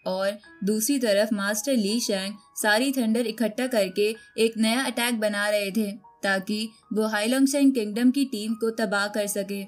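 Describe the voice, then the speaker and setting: A woman's voice: medium pitch, fairly even intonation, a little slow, few pauses, faint music behind. A woman reading a scripted story recap as a narrator.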